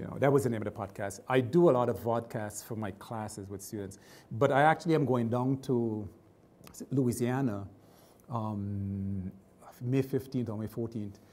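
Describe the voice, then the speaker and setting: Speaking with a Vincentian accent, a man with a medium pitch and a dark, mellow tone uses ordinary pitch variation, while his loudness swings widely. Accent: Vincentian Caribbean, noticeable. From Saint Vincent and the Grenadines. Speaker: professor. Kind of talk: lecture. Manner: fast when excited; animated.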